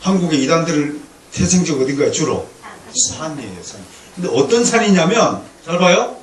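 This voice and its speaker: A male pastor preaching a lively lecture-sermon to a congregation, with humor and call-and-response. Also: fairly high pitch, a little fast. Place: church sanctuary. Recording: echoey hall, distant mic, faint noise.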